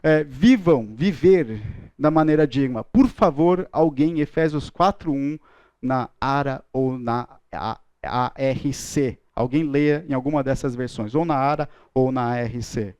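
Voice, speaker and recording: A man's voice: mid-range voice, unhurried, a little mellow, smooth, no echo, dull audio. A man with a Brazilian Portuguese accent teaching a Bible school class in a playful, joking way, leading the room in chanting letters. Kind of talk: lively classroom lesson.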